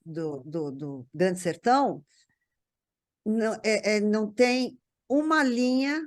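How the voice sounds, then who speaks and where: A woman with a Brazilian accent talks casually as a guest, looking back on memories. Her delivery is halting, circling over small words while she gathers the next thought. Her pitch sits in an ordinary range for a woman. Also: expressive. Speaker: interview guest. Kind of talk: casual reminiscing conversation.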